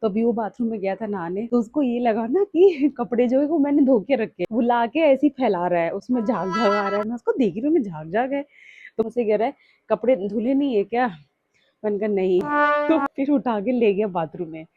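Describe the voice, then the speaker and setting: A woman's voice: a little high, expressive, brisk, dull audio, music in the background. A young woman narrating a casual home vlog to her viewers, chatty and laughing often. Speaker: family vlogger. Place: home kitchen and house. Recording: noisy home phone recording.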